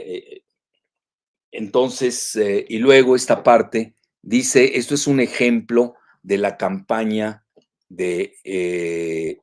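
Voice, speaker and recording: A man's voice: lowish voice, a little mellow. An older man with a Mexican Spanish accent gives live commentary on the news, talking in a rambling, digressive way with many "eh" fillers and self-corrections. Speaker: geopolitical analyst hosting a weekly live show.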